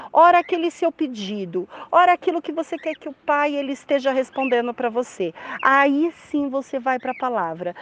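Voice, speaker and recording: Woman Bible teacher, slightly high pitch, emphatic teaching delivery, faint background noise. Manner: emphatic, dramatic shifts of tone. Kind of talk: teaching and prayer.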